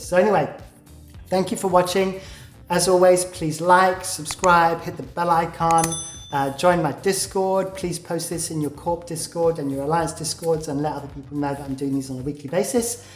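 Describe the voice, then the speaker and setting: Low-voiced woman, gaming war-update commentator, analytical with many "uh" pauses; echoey room, faint music bed. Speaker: game news commentator.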